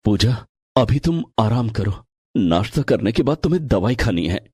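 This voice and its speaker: A caring, gentle young husband, voiced by a man for a cartoon. The voice is husky and sits in a middle pitch. It is recorded close and dry. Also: big pitch swings, normal speed, no room sound. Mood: concerned. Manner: gentle, concerned.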